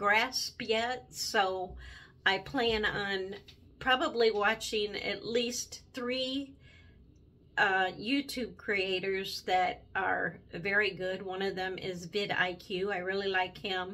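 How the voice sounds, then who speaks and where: A woman with a bright, sharp tone speaks at a very slow pace with ordinary pitch variation. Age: 60s. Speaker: grandmother. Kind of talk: casual talk to camera. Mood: friendly, slightly unsure. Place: home room. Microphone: phone near.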